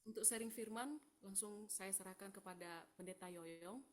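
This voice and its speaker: A woman's voice: mid-range voice, moderate pace. A woman emceeing formally, her voice faint and distant as if coming through a phone held away from the mic. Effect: faint and distant, as if heard through a phone held away. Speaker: emcee handing over to the preacher. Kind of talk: formal announcing. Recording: faint, echoey, noisy call audio.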